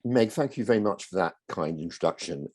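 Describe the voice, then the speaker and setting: A hoarse man who is losing his voice, giving modest opening remarks as a panel speaker over a video call. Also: low-pitched, lively intonation, a little fast, darkish tone.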